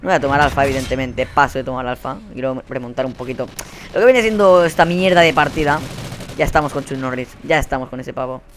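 A young gaming channel host from Spain, speaking at a quick pace in a medium-pitched voice, swears and rants at other players in heated gameplay commentary. A little hiss or hum and faint game gunfire can be heard.

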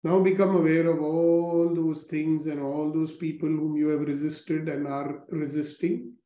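A man leading a guided gratitude meditation, speaking slowly and calmly with repeated phrases. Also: fairly high pitch. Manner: slow, calm, repetitive instructions. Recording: roomy, dull lo-fi recording.

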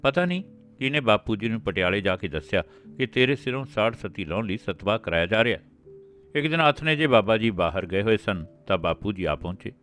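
A man with a low voice narrating an audiobook in a slow, measured reading style. Soft instrumental music plays faintly underneath him throughout. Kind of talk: scripted narration.

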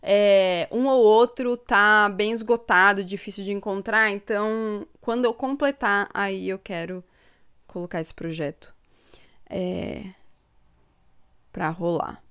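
Young woman, chatty live-stream host; smooth, clear voice at mid pitch. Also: fairly even intonation, takes it slowly, a bit bright. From São Paulo state, Brazil. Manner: chatty and upbeat, laughs often, reads viewer comments aloud. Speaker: book channel host. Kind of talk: live stream chat with viewers. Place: home room with bookshelves, indoors. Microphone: desk microphone in front.

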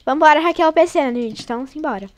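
A woman's voice: high-pitched, fast. A woman hosting a gaming channel, giving chatty running commentary on her play and talking constantly to her viewers. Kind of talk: casual gameplay commentary.

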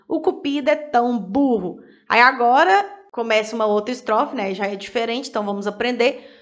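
A woman gives an English lesson built on song lyrics. She takes the lines word by word and repeats each phrase with its translation. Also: fairly high pitch. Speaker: English teacher.

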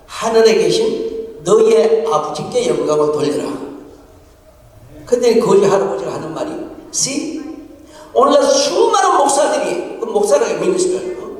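A man preaching a sermon as a pastor, telling a story with laughter and acting out a conversation. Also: very high voice. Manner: storytelling with laughter and quoted exchanges. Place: church sanctuary. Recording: distant mic in a large echoing church hall.

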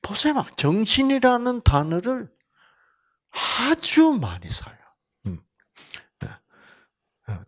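A man's voice: very high voice, wildly swooping pitch. A man with a Gyeongsang accent giving a health lecture, drawing out his words and sometimes dropping to a whisper. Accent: Gyeongsang Korean. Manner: drawn-out, dropping to a whisper at times.

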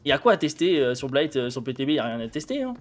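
A man's voice: mid-range voice, big pitch swings, racing. A man in his thirties thinking aloud in blunt, informal live gameplay commentary as a streamer. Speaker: game streamer. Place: indoor streaming setup.

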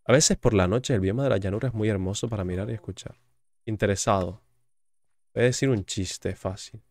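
A man's voice: lowish voice, fairly quick, darkish tone, no room sound. A man with a Spain Spanish accent giving chatty, joking commentary while playing a video game and reading its text aloud. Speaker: gaming YouTuber. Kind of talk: gaming commentary.

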